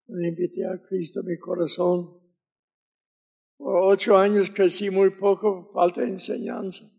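Old man in his nineties, American accent, fervent sermon, high gravelly voice, slow and husky. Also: warm tone, poor audio. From Mississippi, USA. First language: English. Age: 90s. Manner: fervent, deliberate preaching. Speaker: visiting preacher.

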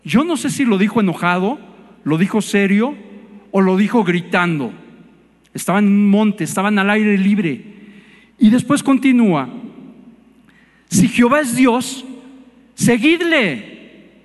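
A man preaches to his congregation, talking to them as in conversation and putting questions to them. His voice sits high for a man. A long reverb from the hall trails after his words. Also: lively intonation, moderate pace, a little mellow. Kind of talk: sermon.

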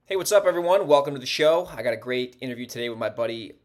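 A man's voice: medium pitch, lively intonation, very fast, faint music behind. A man hosting a podcast, chatting casually and upbeat with frequent fillers. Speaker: podcast host. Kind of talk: casual interview chat.

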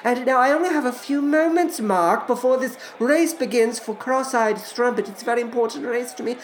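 A woman voicing a drunk, foul-mouthed, violent cockney racegoer who swings between prim manners and profane shouting in a comedy monologue. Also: a little high, fairly quick, roomy sound, a little hiss or hum, voice pushed up, close to an everyday voice. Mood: flustered, excited.

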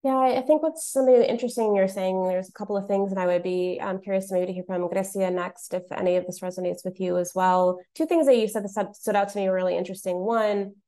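Creaky-voiced woman moderating a discussion. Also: mid-range voice, steady tone, fast, hardly any pauses, warm tone. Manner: thoughtful, checks in with "right?". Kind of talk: conversational panel moderating.

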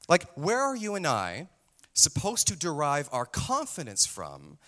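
A man's voice: a little high, wildly swooping pitch, measured pace, bright, forceful tone. A man giving a casual, self-deprecating sermon from the stage to a church audience, with many fillers. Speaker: pastor. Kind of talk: conversational sermon.

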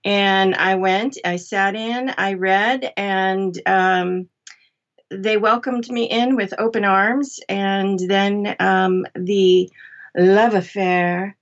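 A woman's voice: mid-range voice, steady tone, very slow, highs cut off. An American woman from western Massachusetts, chatting casually and telling stories as a podcast guest. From Berkshires, western Massachusetts, US. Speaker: podcast guest, audiobook narrator. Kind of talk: casual conversational storytelling.

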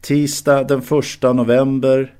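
A man's voice: medium pitch, little pitch movement, a little mellow, clean tone. A man reading scene announcements as the narrator of an audio drama in a scripted style.

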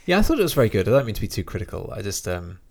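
Guy, low gravelly voice, laid-back music chat, bit hesitant. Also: rapid-fire. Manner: relaxed, hesitant, reads a short bio aloud. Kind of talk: casual chat.

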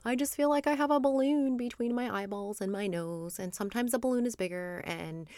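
A woman's voice: fairly high pitch, brisk, a little mellow, no room sound, studio quality. A woman in her thirties hosting a podcast, chatty and encouraging, her voice a little nasal from allergies. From Florida. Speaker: podcast host. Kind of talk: casual solo podcast talk.

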